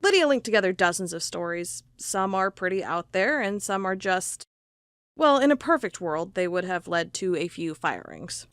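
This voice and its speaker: A woman's voice: on the low side, big pitch swings, moderate pace, a bit bright, faint music behind. A woman playing a wry, curious investigator who records a log and reads old case files in an audio drama. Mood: wry, intrigued.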